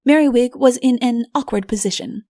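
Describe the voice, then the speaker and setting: A woman narrating a fairy-tale audiobook in an expressive storytelling style. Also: fairly high pitch, normal speed, no echo, studio quality.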